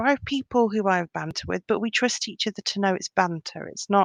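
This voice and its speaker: A woman talks at a moderate pace in a normal speaking voice with ordinary pitch variation, recorded with a dry, close sound with no echo against a quiet background. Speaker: radio host and metal vocalist. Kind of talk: podcast talk on mental health and bullying.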